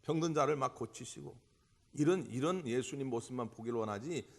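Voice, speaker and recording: Impassioned pastor preaching in a reverberant church. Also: male voice, medium pitch, fairly quick. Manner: impassioned, with rhetorical questions and big swings in loudness. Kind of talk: Sunday sermon. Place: church sanctuary. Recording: long church hall reverb.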